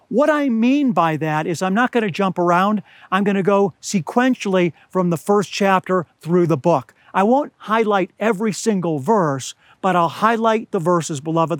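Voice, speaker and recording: An older man with a high voice gives a sermon outdoors among pine trees at high altitude. His voice is slightly hoarse and scratchy, and he speaks earnestly and deliberately, slowing down to stress key words. The sound is dry and close, with little reverb.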